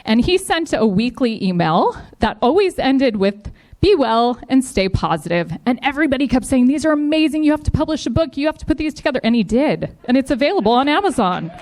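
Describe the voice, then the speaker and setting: A woman's voice: high-pitched, very animated, fairly quick, a little mellow. A woman giving an upbeat, encouraging speech at a live community event, thanking donors and promoting a fundraiser. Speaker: foundation representative speaking at a district event.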